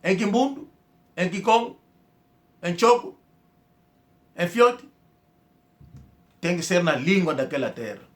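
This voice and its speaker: A man delivers a heated political monologue. His voice sits high, and he speaks emphatically and accusingly, often catching on a word and repeating it before pushing on. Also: sing-song, takes it slowly, pauses often. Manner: emphatic, accusatory, repeats words when stumbling. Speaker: political commentator.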